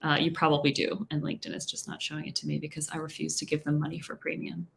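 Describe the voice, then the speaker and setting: A woman with a somewhat low voice co-hosts a casual livestream from her home office. She talks in a wry, joking way and drops quick asides. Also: level tone, gravelly, a bit bright, a little hiss or hum. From Texas. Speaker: co-host.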